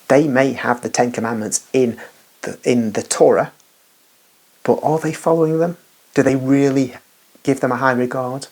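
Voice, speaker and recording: A man's voice: medium pitch, gravelly, a little mellow, husky. A man giving an unscripted, rambling religious monologue as a Catholic commentator, emphatic and full of asides and restarts.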